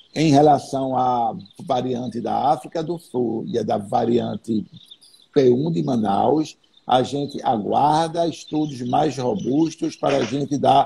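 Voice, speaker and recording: With vocal fry and a dark, mellow tone, the voice moves at a very slow pace with ordinary pitch variation. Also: man. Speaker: pediatrician. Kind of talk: expert interview on live stream.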